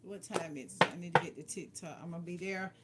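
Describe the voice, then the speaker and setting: A woman's voice: fairly low pitch, quick pace. A woman doing a casual livestream card reading, giving playful, blunt advice and repeating phrases for emphasis. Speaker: tarot card reader and livestream host. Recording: clearly noisy background with clicks.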